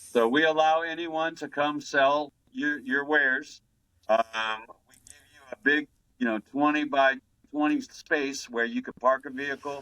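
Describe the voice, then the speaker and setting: In a Louisiana accent, a man speaks fairly slowly at a fairly high pitch, his tone bright and sharp, his intonation fairly even and his loudness swinging widely, all in a dry, close sound with no echo. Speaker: service club volunteer. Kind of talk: casual interview.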